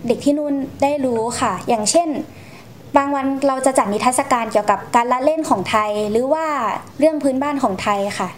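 A young woman, answering interview questions in a polite, explanatory manner as she recounts her experiences. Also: high voice. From Thailand. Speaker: guest storyteller.

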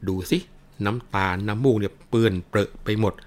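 A man's voice: lowish voice, fairly even intonation, fairly quick, lightly acted. A man doing a furious foul-mouthed old mother. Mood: scolding. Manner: shouting crude insults. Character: furious scolding old mother, coarse and domineering.

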